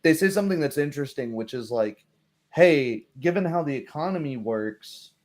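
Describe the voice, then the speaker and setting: A man's voice: a little high, animated, normal speed. A man chatting casually as a game master, explaining rules with examples in a hesitant, explanatory way. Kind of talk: casual chat about tabletop game rules.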